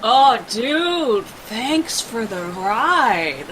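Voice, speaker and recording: A woman's voice: on the high side, very animated, very slow, fairly bright tone, slight background noise, exaggerated voice. Woman voicing a laid-back surfer-dude turtle. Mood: awed, chilled. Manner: drawling surfer slang.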